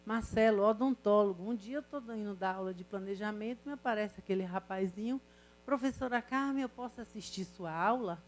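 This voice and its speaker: A woman's voice: mid-range voice, fairly quick, slight background noise, rough recording. An older woman professor, lecturing a class in a chatty way, full of rhetorical questions and stories. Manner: conversational, asks students rhetorical questions. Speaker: university professor.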